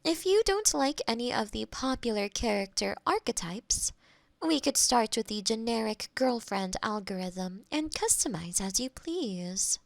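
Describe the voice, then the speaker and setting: Woman playing a slow, measured AI girlfriend companion. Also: on the high side, expressive, creaky, no echo. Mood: polite, helpful. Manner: formal, measured, robotically helpful. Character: polite female AI girlfriend companion, literal, eager to please. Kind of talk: scripted roleplay audio, ASMR. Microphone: close binaural microphone.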